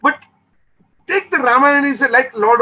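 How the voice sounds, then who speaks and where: A man's raised, projected voice with a Gujarati accent and a bright, sharp tone. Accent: Indian (Gujarati) English. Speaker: author and motivational speaker. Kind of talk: webinar talk. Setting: online webinar. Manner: halting, with many fillers.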